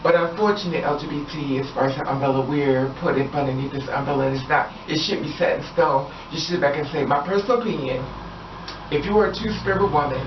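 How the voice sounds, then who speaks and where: A woman's voice: low voice, fast talker, noisy background. A woman vlogger giving her opinions in a casual monologue, emphatic and repetitive, preaching encouragement. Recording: roomy, distant, dull lo-fi audio.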